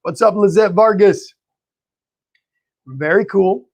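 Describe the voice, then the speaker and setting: A man hosting a live painting stream, greeting viewers by name in a friendly, chatty way, his voice a little hoarse and tired, clearing his throat now and then. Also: high voice, slow, a little mellow. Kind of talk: live-stream chat and teaching.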